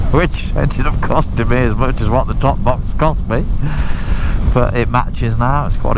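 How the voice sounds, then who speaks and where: Moderate pace, dry sound with no echo, and noticeable background noise. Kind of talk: casual vlog chat. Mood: relaxed, pleased. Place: motorbike. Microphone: helmet.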